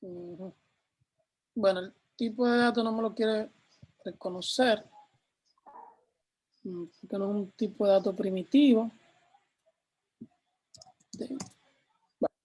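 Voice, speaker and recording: A man leads a programming class in a high voice. He talks his students through each step and raises questions before he answers them himself. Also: slow pace, long pauses, a little mellow, husky. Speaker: programming teacher. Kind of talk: live class explaining code on screen.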